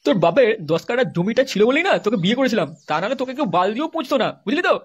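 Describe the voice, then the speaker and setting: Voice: mid-range voice, very animated, racing, breathy edge. A performer voicing a boastful, short-tempered poor husband in a comedy cartoon, foul-mouthed and insulting, with a West Bengal accent. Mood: boastful scolding. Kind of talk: amateur comedy cartoon dialogue.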